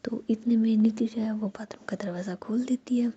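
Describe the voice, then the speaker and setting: A woman narrating a story in a soft, conversational whisper. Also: a little high, fairly even intonation, normal speed, breathy edge. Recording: dull lo-fi with faint hiss.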